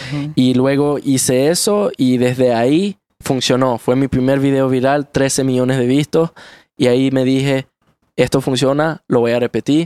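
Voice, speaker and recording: At a moderate pace, a man speaks in a dark, mellow tone with a medium pitch and fairly even intonation. His loudness stays very even, and the sound is dry and close with no echo. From Canada, English-speaking side, Venezuelan parents. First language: English (speaking Spanish). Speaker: musician and TikToker. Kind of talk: podcast interview.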